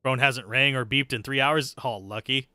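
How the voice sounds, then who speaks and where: A man's voice: mid-range voice, normal speed, sharp tone, dry recording, clean studio sound, faint music behind. A man giving casual, sweary live gameplay commentary and chatting with viewers in a sardonic, self-deprecating way. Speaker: game streamer, host.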